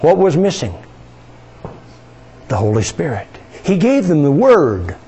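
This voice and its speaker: A man's voice: fairly high pitch, huge pitch swings, measured pace, dark tone, a little hiss or hum. A man preaching a sermon, reading scripture aloud and asking his congregation questions.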